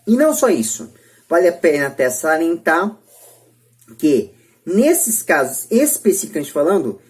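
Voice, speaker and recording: A woman's voice: mid-range voice, a little mellow. A Brazilian woman hosting a podcast debate, speaking in an emphatic, repetitive, opinionated way. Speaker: podcast host.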